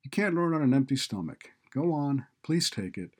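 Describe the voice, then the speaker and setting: A man voicing a kind, considerate man in a story, gentle but insistent. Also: mid-range voice, very animated, moderate pace, slightly rough, pitched above the performer's own voice. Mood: kind, urging. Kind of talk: audiobook character dialogue.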